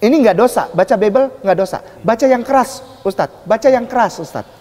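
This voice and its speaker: A man giving a lively public lecture in a religious debate, emphatic, asking the audience rhetorical questions. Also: high voice, brisk. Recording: echoey hall reverb.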